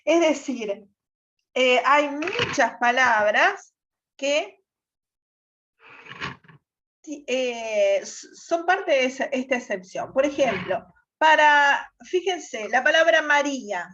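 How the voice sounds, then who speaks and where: A woman teacher explaining spelling rules to her class, often checking in with a quick "tá?". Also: high-pitched, lively intonation, a bit bright, highs cut off. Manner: checks understanding with frequent "¿tá?". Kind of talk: classroom lesson on Spanish accent rules.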